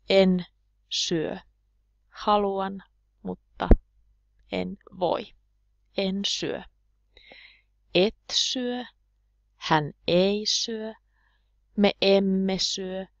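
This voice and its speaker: A woman teaching a slow, clear beginner grammar lesson, drilling each form one by one and sometimes dropping to a whisper. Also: mid-range voice, fairly even intonation, no room sound, lo-fi sound. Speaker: language teacher.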